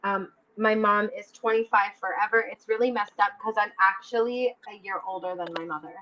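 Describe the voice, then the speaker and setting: A woman's voice: mid-range voice, fairly even intonation, a little fast, highs cut off. A woman in her twenties hosting a casual live chat, giggling often and reading out viewer comments. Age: 20s. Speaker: host of a live stream.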